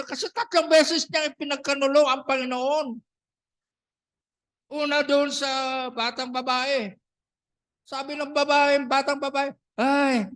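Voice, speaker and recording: A man's voice: extremely high pitch, a bit bright. A man preaching a sermon, mixing English into his talk and acting out the dialogue he retells. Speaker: pastor. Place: church.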